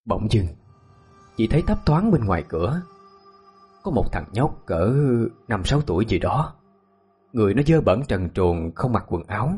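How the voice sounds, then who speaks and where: Man, ghost story narrator, husky, hushed, faint music. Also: fairly low pitch, very animated, moderate pace, pauses often.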